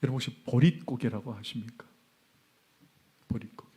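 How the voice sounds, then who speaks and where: A middle-aged male pastor preaching a sermon, telling an animated story and acting out the quoted dialogue. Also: mid-range voice, normal speed, breathy edge.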